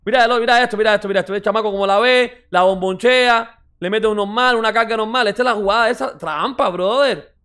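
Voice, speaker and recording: A man's voice: sits high, fast talker, hardly any pauses, sharp tone, clear, resonant tone. A man giving casual mocking football reaction commentary as a streamer, repeating exclamations, swearing and ranting.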